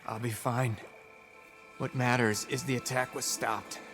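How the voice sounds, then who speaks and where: An actor playing an earnest, pleading young tribal warrior in a video game cutscene. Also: male voice, mid-range voice, steady tone, a little slow, fairly bright tone, faint music behind. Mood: strained, earnest. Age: young adult.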